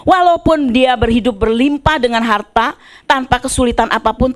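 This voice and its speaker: A woman preaching a sermon with animated delivery, moving from soft asides to loud exclamations. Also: high voice. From Indonesia.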